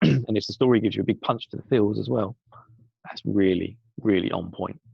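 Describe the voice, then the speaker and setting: A man talks casually with a rough, husky voice that comes from a sore throat, wandering and correcting himself as he goes. His voice sits low and gravelly. The recording is dull and dry, like a lo-fi home mic. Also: fairly quick, no room sound. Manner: chatty, rambling, self-correcting. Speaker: podcast guest segment presenter. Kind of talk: casual pre-recorded segment.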